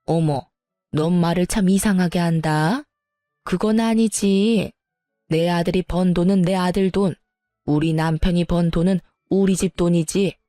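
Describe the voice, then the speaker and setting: A woman's voice: on the low side, steady tone, unhurried, warm tone, dry recording, studio quality, soft background music, lightly acted. A woman voicing a greedy, scheming middle-aged mother-in-law who talks down and pries about money. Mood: condescending. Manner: condescending, prying.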